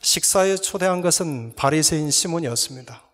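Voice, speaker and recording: A male pastor preaching a sermon, earnestly putting rhetorical questions to his congregation and sometimes dropping to a soft whisper. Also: on the high side, expressive, brisk. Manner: earnest, addresses listeners with repeated rhetorical questions. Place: church sanctuary. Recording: long reverb of a church hall.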